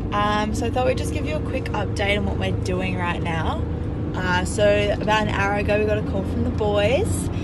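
A woman speaks against loud background noise, the sound dry with no echo. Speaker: vlogger. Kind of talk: casual vlog chat. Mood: amused, joking. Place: car. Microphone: phone near.

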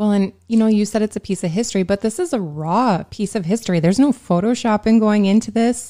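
A woman's fairly high voice with a dark, mellow tone, ordinary pitch variation, a very fast pace and hardly any pauses, in a very clean recording with a silent background. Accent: American. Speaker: podcast co-host. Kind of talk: casual interview.

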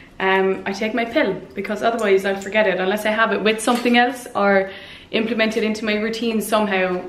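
A woman talks at a fairly quick pace with monotone, flat intonation, and audible room echo surrounds her voice. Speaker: fitness vlogger. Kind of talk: casual vlog chat. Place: kitchen. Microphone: phone near.

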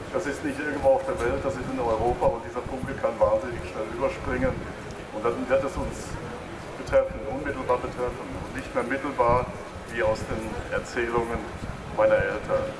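A man speaks with long, frequent pauses at a moderate pace, noticeable background noise behind him. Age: 60s. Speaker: rally participant speaker. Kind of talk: rally speech. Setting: outdoors at a public square with crowd. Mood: earnest, concerned. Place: street.

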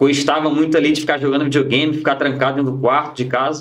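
The speaker is a man whose voice has a fairly high pitch. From Brazil. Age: 20s. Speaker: bank employee; podcast guest. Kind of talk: casual chat. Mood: relaxed, storytelling. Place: studio. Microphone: studio mic.

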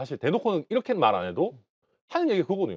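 A man's high pitch against a quiet background. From South Korea. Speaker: politician. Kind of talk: political talk show debate. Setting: studio. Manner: humorous, animated. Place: studio. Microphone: lapel.

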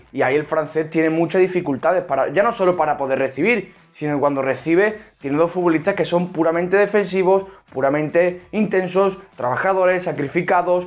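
This man talks at a fairly quick pace with a high pitch and ordinary pitch variation. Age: young (just turned 18). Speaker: football analyst youtuber. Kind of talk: match analysis monologue. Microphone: lapel.

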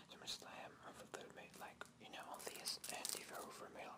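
A man is whispering in a relaxed tone. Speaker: ASMR youtuber. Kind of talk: ASMR whispered rambling talk to camera. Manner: soft-spoken, whispering, relaxed, rambling. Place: home room. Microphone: headset.

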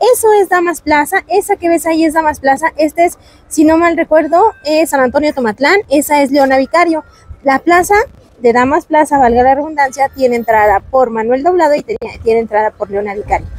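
At a fairly quick pace, a woman speaks with a high pitch, lively intonation and very even loudness. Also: dry sound with no echo. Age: 40s. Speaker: shopping vlogger. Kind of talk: casual vlog with vendor interview. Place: street. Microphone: phone near.

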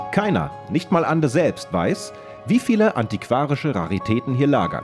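Music plays in the background as a man speaks at a moderate pace. His medium pitch swings very widely. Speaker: reporter. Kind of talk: documentary voice-over narration.

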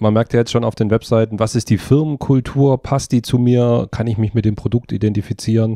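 His tone is dark and mellow. The man's intonation stays fairly even. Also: dry, close sound with no echo, quiet background. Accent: slight southern German. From southern Germany. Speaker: team manager who hires staff. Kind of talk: casual interview. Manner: hesitant with fillers.

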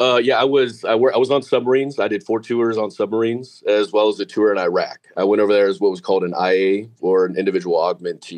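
Delivered with an American accent, the speech runs at a very fast pace with hardly any pauses. Pitch varies in an ordinary way. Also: man, fairly low pitch for a man. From Kansas, US. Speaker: war volunteer and navy veteran. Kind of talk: interview.

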